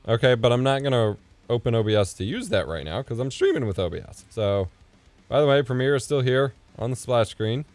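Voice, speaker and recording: Guy streamer muttering while editing, voice bounces around a lot, dry close mic, quiet music behind. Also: mid-range voice, expressive, fairly quick, dry recording. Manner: rambling, self-deprecating, mutters under his breath. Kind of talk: casual live-stream commentary while video editing. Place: home streaming room, indoors.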